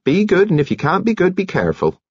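A man's voice: high voice, huge pitch swings, fast, husky, no echo, highs cut off, voice pushed up, exaggerated voice. A man voicing a cheery, no-nonsense village nurse, a woman, in a storybook, with a comfortable, chatty manner. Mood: bright, cheery. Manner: bright, comfortable, professionally chatty.

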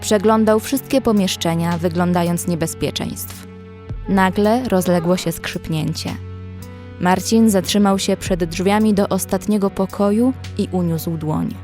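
An actress playing a young woman who survives an apocalypse, narrating in a measured, literary way as an anxious observer. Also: on the low side, darkish tone, natural voice. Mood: measured, uneasy. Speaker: narrator and actress in audio drama. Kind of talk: scripted first-person horror story narration. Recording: music under the voice.

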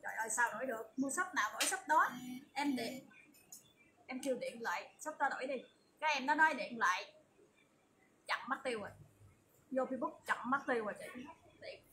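A woman with a southern Vietnamese accent giving a chatty, repetitive livestream sales pitch as an online shop seller. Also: lively intonation, a little fast, pauses often. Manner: chatty, repetitive, emphatic assurances. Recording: distant mic with loud background noise.

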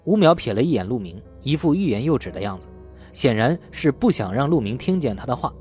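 A man's voice: mid-range voice, sing-song, a little fast, a little mellow, faint music behind. A man narrating an audiobook in a scripted storytelling style. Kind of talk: scripted audiobook narration of an urban crime novel.

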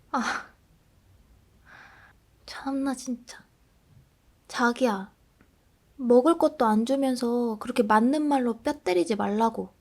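Woman playing a sulky dieting girlfriend, high voice, grumpy pouting, soft role-play. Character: dieting girlfriend, low on self-esteem.

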